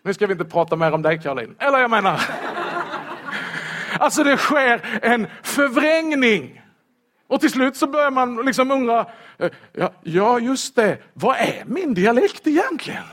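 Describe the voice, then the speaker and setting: Male preacher, high-pitched, playful sermon with rhetorical questions. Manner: lively, humorous, asks rhetorical questions. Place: church.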